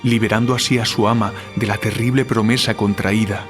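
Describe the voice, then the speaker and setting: Male actor as a guilt-ridden writer, deliberate and literary, lower register, music underneath, for audio drama. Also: fairly even intonation, natural voice. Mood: solemn narrating.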